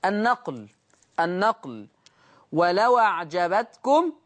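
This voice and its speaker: A man's voice: sits high, sing-song, fairly bright tone. Man teaching Quran recitation. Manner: asks rhetorical questions, then answers them and chants examples slowly. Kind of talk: televised recitation lesson.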